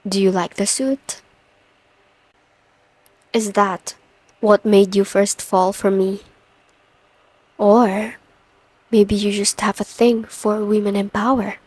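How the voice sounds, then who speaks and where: Woman acting as confident female boss, slow deliberate delivery, commanding, teasing, coaxing, intimate ASMR roleplay, close dry sound. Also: medium pitch, darkish tone, no echo, poor audio. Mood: smug, seductive. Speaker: audio roleplay performer.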